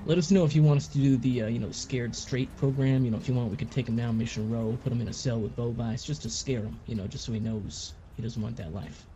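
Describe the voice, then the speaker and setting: A man's voice: medium pitch, steady tone, fast, few pauses, warm tone, close to an everyday voice. A man playing an easygoing, paternal lawman in improvised game role-play, talking in a mild, hesitant way. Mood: reassuring. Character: easygoing small-town lawman, paternal and folksy. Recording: dull, faintly noisy game voice chat.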